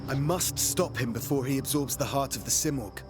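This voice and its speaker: Young male game hero, played by a man: determined and loyal, mid-pitched, over prominent music. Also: brisk, close to an everyday voice. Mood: resolute. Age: young adult. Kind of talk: video game voice acting.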